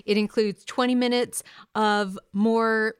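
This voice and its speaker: Bubbly smooth-voiced woman co-host. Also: a little high, fairly even intonation, slow. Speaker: podcast co-host. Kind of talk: casual chat.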